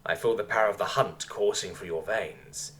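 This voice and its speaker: A man's voice: on the low side, moderate pace, fairly bright tone, lightly acted. A man voicing a proud, warlike great white shark leader who speaks formally and solemnly in a story.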